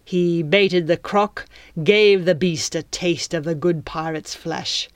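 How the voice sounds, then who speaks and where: A woman's voice: on the low side, takes it slowly, no echo. A woman voicing a menacing male pirate captain in an audiobook, with a commanding, taunting, theatrical manner. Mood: quiet menace.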